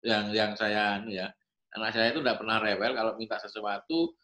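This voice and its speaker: A man with a low voice and a bright, forceful edge chats casually. He agrees with the other speaker and tells his own experience in a relaxed, chuckling way. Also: fairly quick, low-quality recording. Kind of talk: casual conversation.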